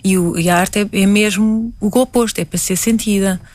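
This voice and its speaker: A woman's voice: medium pitch, fairly even intonation, brisk, a little mellow. A woman from Portugal with a European Portuguese accent, a painter answering interview questions reflectively, often restarting her words.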